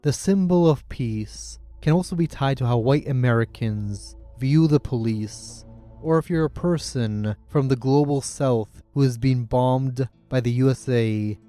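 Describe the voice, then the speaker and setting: A man's voice: medium pitch, warm tone. A man narrating a scripted video essay in an opinionated, sarcastic, casual way. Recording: music playing under the voice. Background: background music.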